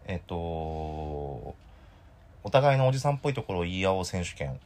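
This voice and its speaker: A man in his thirties with a hoarse throat, co-hosting a casual podcast chat in a playful, jokey way. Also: low voice, sing-song, normal speed, darkish tone. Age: 30s. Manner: playful, jokey, drifts into bits. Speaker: podcast co-host.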